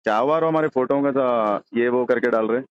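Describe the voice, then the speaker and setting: A man's voice: medium pitch, a little fast, smooth, no echo. A man with a Hyderabadi Deccani accent arguing confrontationally on a phone call, repeating himself insistently. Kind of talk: heated argument on a phone call. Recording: dull lo-fi recorded phone call.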